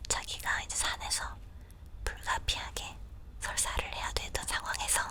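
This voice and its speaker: Whispering at a fairly slow pace, a woman is heard against noticeable background noise. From Korea. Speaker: ASMR creator. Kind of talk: ASMR movie review. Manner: whispered.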